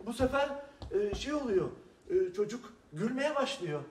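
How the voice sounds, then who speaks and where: A man's voice: high-pitched, sing-song, moderate pace. A man co-hosting and narrating a children's tale, playfully and with acted voices. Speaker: storyteller and co-host. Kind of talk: children's storytelling chat. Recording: echoey room from a distant mic, faint noise.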